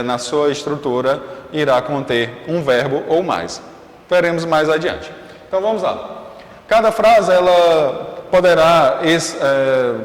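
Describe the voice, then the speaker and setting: Echoey male teacher giving online lesson. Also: on the high side. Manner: frequent "é" fillers and "ok?" check-ins. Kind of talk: recorded online class lecture. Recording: echoey room with long reverb.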